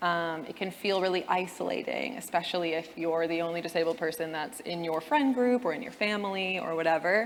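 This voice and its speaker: A woman with an American accent and a plain, everyday voice talks at a fairly quick pace, her pitch fairly low with ordinary variation. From USA. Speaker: content creator. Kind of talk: casual interview.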